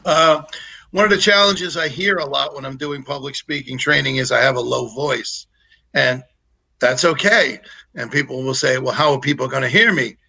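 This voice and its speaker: A man who trains public speakers, giving practical advice in a relaxed, joking way over a video call with a lapel mic. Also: medium pitch, normal speed, creaky, husky, poor audio. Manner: practical, explanatory, jokes easily. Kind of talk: casual coaching advice on a livestream.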